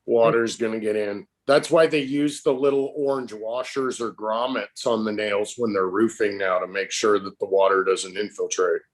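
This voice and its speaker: A man's voice: lowish voice, steady tone, moderate pace, hardly any pauses. A man answering questions in a training session, with dry, sarcastic replies.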